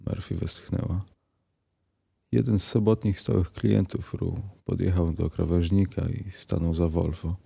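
A man narrating a crime story aloud in a calm, even reading voice. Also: sits low, measured pace, gravelly, husky. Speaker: audiobook narrator.

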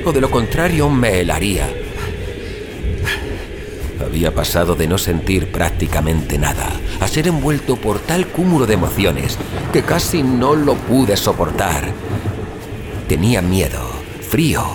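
A man acts out a weary, frightened male explorer in a dramatic audio fiction. His low voice moves with lively, sweeping intonation through literary, suspenseful first-person storytelling. Prominent music plays behind him. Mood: desperate, exhausted. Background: music bed.

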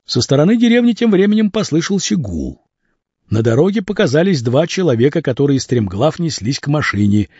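Animated husky male storyteller. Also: fairly high pitch, a little fast, no room sound. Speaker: audiobook narrator. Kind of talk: expressive storybook reading. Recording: dull lo-fi dry recording.

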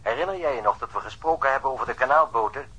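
A man's voice: medium pitch, rapid-fire, bright, forceful tone, husky. An actor playing a diligent, eager policeman reporting over a telephone line in a radio drama. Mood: eager, matter-of-fact. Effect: telephone filter.

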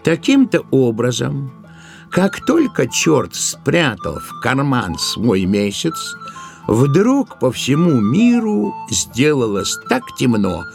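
A man narrating a literary tale for an audio play in an expressive, deliberate way, drawing out certain words. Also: medium pitch, gravelly. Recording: music behind the voice. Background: musical accompaniment.

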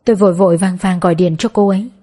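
A woman reading a story aloud in an even, measured narration. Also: fairly low pitch. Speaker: audiobook narrator.

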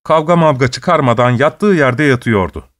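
A man narrates a story in a steady, measured audiobook reading. His pitch sits in the middle range, and the recording is close and dry, with no room sound. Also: no echo.

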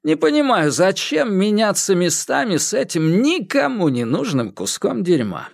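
A man's voice: high voice, wildly swooping pitch, normal speed, creaky, no room sound, studio quality, pitched above the performer's own voice, heavily acted. Male narrator as a cruel, playful old German; mocking, lilting.

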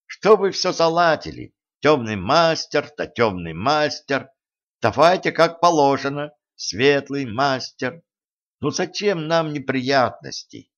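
A nervous male storyteller who grumbles and frets, as a man reads him aloud. His voice sits at a middle pitch. The audiobook recording is slightly muffled. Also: lively intonation, unhurried, fairly bright tone. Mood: fretful. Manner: fretful, grumbling.

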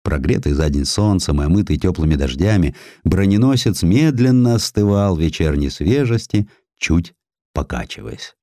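A man narrating a historical tale in an expressive, measured way, with weighty pauses. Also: low voice, no room sound, studio quality. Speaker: audiobook narrator.

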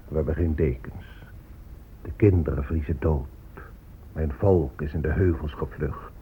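An actor playing a grieving, weary Native American chief, solemn and declamatory, in a radio drama. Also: male voice. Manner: slow, declamatory, mournful. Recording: muffled lo-fi tape with faint rumbling noise.

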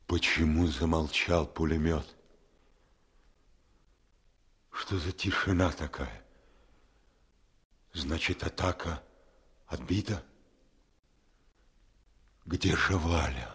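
A weary wounded army major in a radio drama. The voice is low and badly husky, and the words come slowly with effort, yet he still commands. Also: a bit bright, exaggerated voice. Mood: anxious, strained. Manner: slow, halting, strained speech. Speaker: actor in an audio drama. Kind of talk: Soviet radio drama acting.

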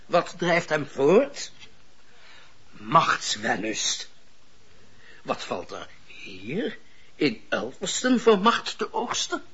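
A cynical male schemer in a radio play, his voice fairly high and husky with a hard, forceful edge. He is sardonic and bossy, stressing his points on a dull recording. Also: wildly swooping pitch, drawn-out words, long pauses, full character voice. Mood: sardonic, scheming. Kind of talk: Dutch radio drama acting.

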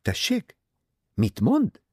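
A man performs a jittery young husband in an audiobook, raised and loud, swinging wildly in pitch as he pleads. His voice is husky and a little gravelly. The recording is close and dry. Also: no echo, heavily acted. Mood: agitated. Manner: excited, pleading outbursts. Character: nervous agitated young husband, defensive.

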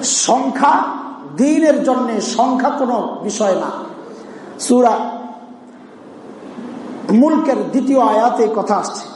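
A man delivers a heartfelt sermon, breaking into long sighs and slow chanted verses. His voice sits very high for a man. It rings through an echoey hall with a faint hum of ambience behind it. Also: animated, a little mellow. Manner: emotional, sighing exclamations, sings verses slowly. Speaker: preacher. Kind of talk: Bengali sermon with chanted Quranic recitation.

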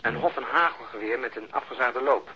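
An actor playing an exasperated, sardonic police officer in a radio drama, with a husky voice and dry, deliberate delivery. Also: male voice, medium pitch, sharp tone, heavily acted. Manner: dry, deliberate, ironic storytelling. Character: exasperated, sardonic male police officer recounting a botched stakeout. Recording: dull lo-fi old radio recording.

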